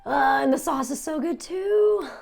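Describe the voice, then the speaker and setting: A young woman with a hoarse, raspy voice, worn down because she is nearly losing it. She keeps a subdued, near-monotone delivery that sits a little high for her, with gravelly fry running through it. Light music plays faintly behind her. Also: measured pace. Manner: subdued and monotone, with small laughs. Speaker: food vlogger. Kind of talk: casual food tasting vlog. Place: her home in Japan.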